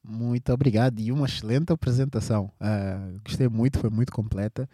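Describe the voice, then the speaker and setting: Mellow-voiced male podcast host. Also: medium pitch, fairly even intonation, fairly quick, slightly rough, no echo, studio quality. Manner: formal, courteous address. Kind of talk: conversational interview.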